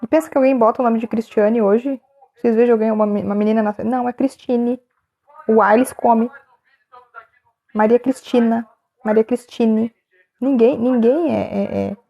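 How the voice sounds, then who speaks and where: A woman's voice: on the high side, steady tone, moderate pace, vocal fry, long pauses, lo-fi sound. A woman chatting casually on a live stream, laughing often and reading viewers' names from the chat.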